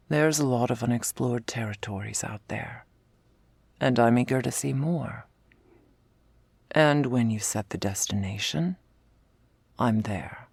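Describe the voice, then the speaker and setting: Woman performing female half-orc war leader, ASMR role-play, breathy and husky, unhurried, tough yet tender, close dry sound. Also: no room sound, heavily acted. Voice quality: low husky, breathy, gravelly voice. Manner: slow confessional delivery, often dropping in a soft voice.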